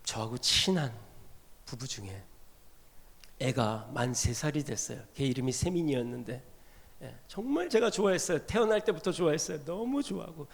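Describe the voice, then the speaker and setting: A high-voiced man delivers a revival sermon, bursting into loud, emphatic exclamations and then falling to soft, intimate near-whispers. He often speaks tenderly in the second person. His voice rings with the long reverb of a church sanctuary. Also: expressive, normal speed, gravelly. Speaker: missionary preacher.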